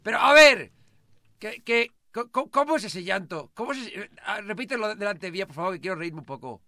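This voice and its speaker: A man from hosting a Minecraft roleplay, stammering, panicky, whining and shouting. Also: high voice, expressive, brisk, no echo, clean studio sound. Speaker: roleplay host.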